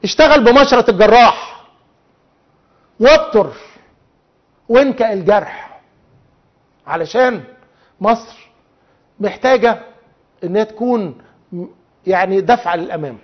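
An Egyptian TV host with a high-pitched voice delivers a fiery monologue, full of rhetorical questions for officials. The sound is dull and lo-fi. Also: male voice, expressive, a little slow, long pauses. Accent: Egyptian Arabic. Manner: indignant, rhetorical, addresses officials directly. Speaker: TV talk show host. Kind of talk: televised monologue. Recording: dull lo-fi TV audio.

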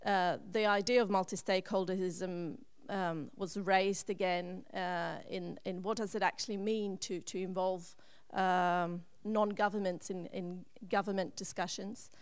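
A young woman speaking as a panelist on a conference stage, talking quickly and fluently with frequent "you know" into a handheld mic. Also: on the low side, steady tone, clean tone, no echo. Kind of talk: panel discussion. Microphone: handheld microphone.

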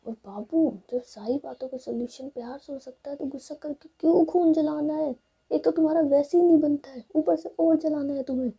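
A woman's voice: sits high, moderate pace, few pauses, dark tone, husky, exaggerated voice. A woman voicing an affectionate young wife in a love story, coaxing and teasing with pet names.

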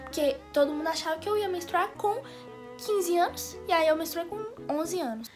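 A young Brazilian woman tells a comic story on her vlog, with a dramatic, animated delivery. Her voice sits high, and faint music plays softly behind her. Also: moderate pace. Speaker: YouTuber.

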